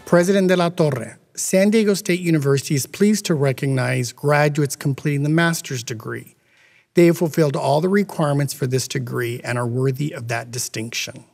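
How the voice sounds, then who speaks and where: A middle-aged man presenting graduates at a university ceremony in a measured, formal way, speaking at a podium on stage. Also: fairly high pitch, gravelly, a little mellow, faint music behind. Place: stage with podium and red curtains. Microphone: podium mic. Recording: long hall reverb.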